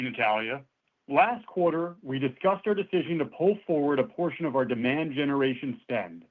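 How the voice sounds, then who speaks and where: A man working as a finance executive, reading a scripted financial report in a formal, businesslike way. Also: medium pitch. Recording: thin, tinny phone-line audio.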